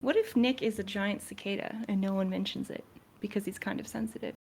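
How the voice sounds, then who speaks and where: A woman's voice: medium pitch, steady tone, brisk, creaky, darkish tone, husky. A woman speaking casually as a crew member in a podcast question-and-answer chat.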